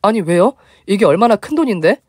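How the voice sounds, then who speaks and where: A man voicing a flustered young wife who makes high, pleading protests in a storytelling video. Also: steady tone, fairly quick, a little mellow, dry recording, close to an everyday voice. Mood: protesting.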